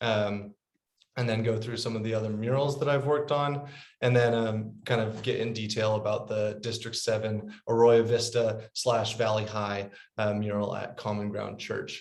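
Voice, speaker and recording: Medium pitch, fairly even intonation and a moderate pace from a man, with audible room echo. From Northern California (Davis). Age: 20s. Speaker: artist. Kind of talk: artist talk presentation.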